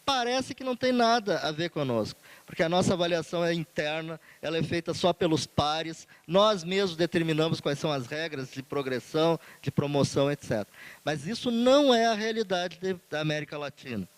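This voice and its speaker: A man's voice: a little high, a little fast, no echo, low-quality recording. Man, Brazilian Portuguese accent, union speaker, earnest rhetorical delivery, dry close sound. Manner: earnest, emphatic, rhetorical lists. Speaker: union leader speaking at a conference. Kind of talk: formal conference speech.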